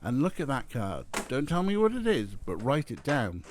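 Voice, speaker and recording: Man reading as a confident girl magician, animated. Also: medium pitch, moderate pace, slight background noise. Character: confident young girl magician, matter-of-fact.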